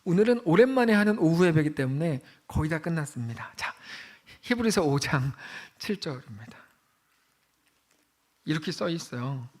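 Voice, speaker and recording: Male pastor, conversational sermon delivery, high and very expressive pitch. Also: moderate pace. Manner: conversational preaching, acts out quoted voices. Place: church sanctuary.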